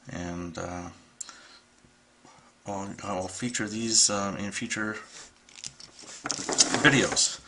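A man's voice: fairly low pitch, noisy background. A middle-aged man, a radio hobbyist, casually explaining gear at home on a desk camera mic, with many ums and restarts. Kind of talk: casual how-to video. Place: home radio room, at a table.

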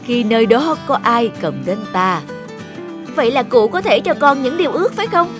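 A woman voicing a kindly old male fairy god with a white beard, who speaks slowly and calmly, like a wise elder. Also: a little high. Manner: slow, calm, gently wise. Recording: music playing behind.

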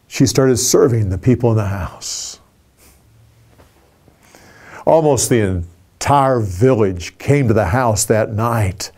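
Slow, expressive older storyteller man. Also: mid-range voice. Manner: animated, expressive telling with small restarts. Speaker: Bible storyteller. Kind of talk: oral Bible storytelling. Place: indoor studio with a curtain backdrop.

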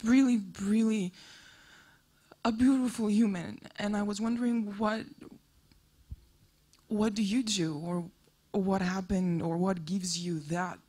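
A woman's voice: medium pitch, fairly even intonation, slow, dark tone, slightly rough. A woman from Greece in a theater audience, asking a hesitant question into a handheld microphone. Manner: hesitant, searching for words.

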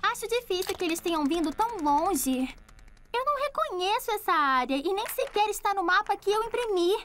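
A woman's voice: very high-pitched, sing-song, a little fast. A woman voicing a sensible, bookish young girl explorer in a cartoon dub. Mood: thoughtful, cautious. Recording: loud music behind the voice.

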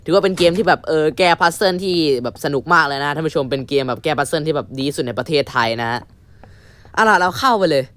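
A young man commentating a horror game playthrough, switching between a mock-polite announcer tone and crude, shouty outbursts. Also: on the high side, lively intonation, fast. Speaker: gamer commentating his playthrough. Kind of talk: casual gameplay commentary.

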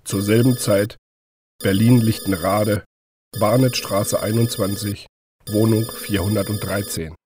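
A man's voice: lowish voice, steady tone, a little slow, over music, lightly acted. A man giving scripted announcements of time and place in an audio drama.

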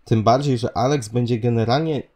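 A man talks over gameplay footage, walking through a strategy game build in a relaxed explanatory way. He pauses often with fillers and little asides while he works through each point. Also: mid-range voice. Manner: explanatory, frequent fillers and "że tak powiem". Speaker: gaming channel host. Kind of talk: game guide commentary. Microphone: voice-over on screen capture.

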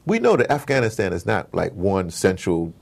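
With a low voice, vocal fry, and huge swings in pitch, this American man speaks at a moderate pace. He's an audio drama producer being interviewed casually, telling rambling, opinionated stories and often digressing to act out conversations.

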